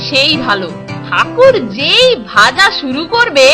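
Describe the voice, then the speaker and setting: High, singsong mischievous cartoon boy. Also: very animated, unhurried, pushed and bright, soft background music, heavily acted. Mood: wheedling. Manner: cajoling, conspiratorial. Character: mischievous, wheedling young schoolboy. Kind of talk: exaggerated Bengali cartoon voice acting.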